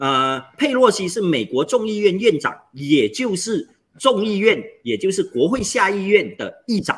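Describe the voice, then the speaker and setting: A high-pitched man speaks at a fairly slow pace, his pitch swinging very widely. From Malaysia. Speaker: lawyer and political columnist; political commentator guest. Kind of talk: political commentary. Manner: frequent fillers and hesitations. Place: home room.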